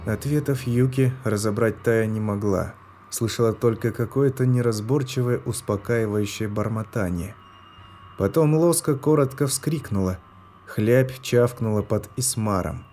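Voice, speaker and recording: Man, audiobook narrator, mellow dark voice, measured tense reading, soft music underneath. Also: on the low side. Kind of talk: scripted narration of a dark fantasy story.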